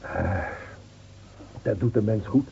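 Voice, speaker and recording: An actor playing a brooding village man in a radio play, measured and ruminative in his delivery. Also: on the low side, gravelly, mellow, a little hiss or hum. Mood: chatty. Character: brooding village man, neighbourly wine-sipping visitor. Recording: tinny, phone-like old radio play recording.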